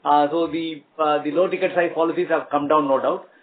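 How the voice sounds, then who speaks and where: A man with an Indian accent answers as a company executive on an earnings call, explaining in a halting, measured way. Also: on the high side, fairly even intonation. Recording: tinny phone-like conference line.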